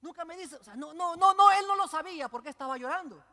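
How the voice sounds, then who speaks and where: A man preaching a sermon in church, animated and joking with the congregation. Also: very high-pitched, fast talker, big-room sound.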